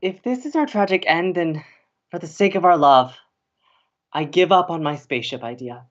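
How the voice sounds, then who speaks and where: Girl playing a breezy college radio host, super expressive, dramatic, slightly muffled audio. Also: fairly low pitch, normal speed, close to an everyday voice. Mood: playful, mock-romantic. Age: young adult. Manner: playful, dramatic. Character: breezy, theatrical young college radio co-host, hopeless romantic. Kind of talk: audio romantic comedy acting.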